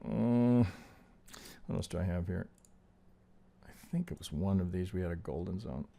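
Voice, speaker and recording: A man's voice: deep voice, expressive, moderate pace, vocal fry, mellow. Middle-aged man thinking aloud as he teaches. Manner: conversational, often tags sentences with "right?". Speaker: trading educator and video host. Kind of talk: informal live chart analysis, thinking aloud.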